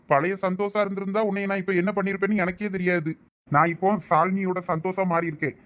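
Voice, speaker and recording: A devoted young cartoon husband, voiced by a man, grumbles earnestly in a Thoothukudi Tamil accent. His voice sits high for a man, and the audio is dull and lo-fi. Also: lightly acted. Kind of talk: cartoon voice acting.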